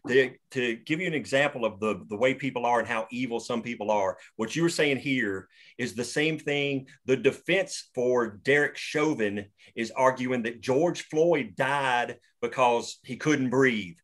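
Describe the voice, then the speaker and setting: A man's voice: medium pitch, a little slow, few pauses, fairly bright tone. A man hosting a table read discussion, rambling and opinionated as he goes off on tangents over a video call. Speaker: writer and host of the table read. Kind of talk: casual discussion.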